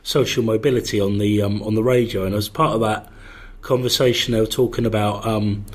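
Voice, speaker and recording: A man's voice: fairly low pitch, steady tone, a little fast. A man on a podcast, talking hesitantly and feeling his way with ums and half-started phrases. He sits close to the microphone in a makeshift studio. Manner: hesitant, trails off with ums and restarts. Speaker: podcast co-host. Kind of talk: casual chat. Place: big echoey box used as studio. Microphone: close at the table.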